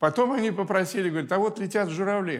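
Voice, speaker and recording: A man's voice with ordinary pitch variation. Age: 80s+. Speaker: theatre director and actor. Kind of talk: interview.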